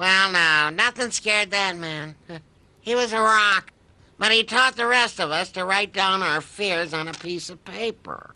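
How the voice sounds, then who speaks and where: A man does a loud, cartoonish character voice, pitched high and delivered at a moderate pace. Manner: loud, blustering, military talk.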